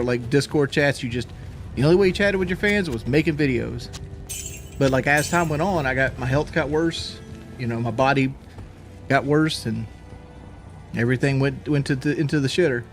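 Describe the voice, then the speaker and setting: A man chatting casually on a live stream, out of breath after a workout, rambling and repeating himself as he talks. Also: mid-range voice.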